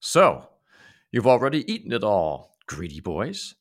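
A man voicing a grumpy, greedy little old man who shouts and demands. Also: huge pitch swings, unhurried, heavily acted. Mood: grumbling demanding. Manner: high, blustering, demanding.

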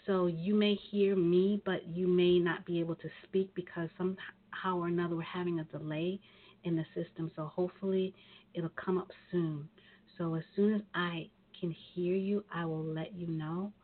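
A woman hosting a talk radio show, chatty and rambling with many pauses, sounding nasal and congested from a cold. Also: fairly low pitch, steady tone. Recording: tinny phone line with faint hiss.

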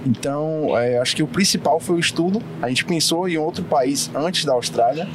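Man, interview guest, earnest and rambling, far from mic, loud outdoor noise. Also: fairly high pitch, normal speed. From Brazil. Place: outdoors in a city park.

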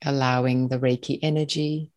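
A meditation guide of medium pitch delivers calm, soothing spoken directions at a slow pace, using short phrases with space left between each.

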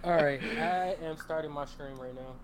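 A man's voice: fairly high pitch, moderate pace, crowd noise. A man hosting a gaming podcast stream, talking in a playful, teasing way. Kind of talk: casual gaming chat.

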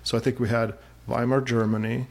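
A man's voice: medium pitch, level tone, fairly quick, creaky. A man in his forties from Serbia, chatting casually as an interview guest, with lots of fillers and a self-deprecating humor.

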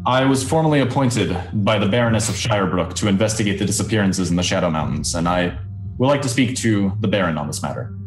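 A man voicing a formal, dutiful cleric investigator in a tabletop game, measured and courteous. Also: fairly low pitch, lively intonation, close to an everyday voice. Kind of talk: tabletop game role-play. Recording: roomy echo, faint music behind.

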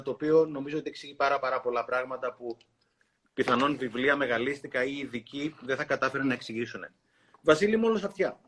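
A man hosting a talk, reading a children's book aloud in an expressive storytelling way and pausing to comment. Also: mid-range voice, slight background noise. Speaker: host.

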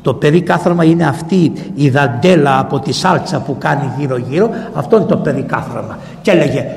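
A man, a priest, giving a sermon in a church and retelling a story in lively, colloquial language. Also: a little high, creaky. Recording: echoey church with long reverb.

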